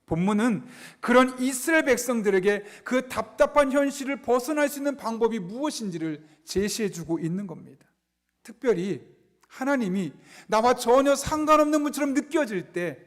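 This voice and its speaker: A male pastor with a very high voice preaches a Sunday sermon in a church sanctuary. He keeps putting rhetorical questions to the congregation and leads them through a unison scripture reading. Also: expressive, normal speed.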